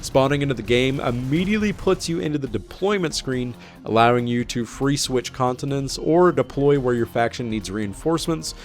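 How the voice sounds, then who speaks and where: A man hosting a gaming video, reading scripted update narration in an informal presenter style. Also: medium pitch. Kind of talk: scripted patch-notes narration.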